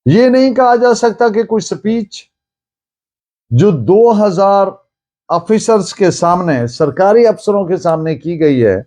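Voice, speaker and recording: A man with a Pakistani accent giving a formal law lecture, deliberate and emphatic, restating points as he reads out and explains. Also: a little high, mellow. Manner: deliberate, emphatic, repeating points in Urdu and English. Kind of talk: formal lecture, reading out and explaining legal text.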